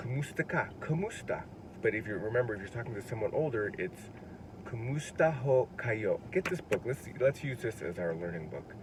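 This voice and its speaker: This man talks at a fairly slow pace with an American accent, at a medium pitch and with very wide pitch swings. Noticeable background noise runs behind him. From California, US. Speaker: language tutor vlogger. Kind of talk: casual tutorial. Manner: halting.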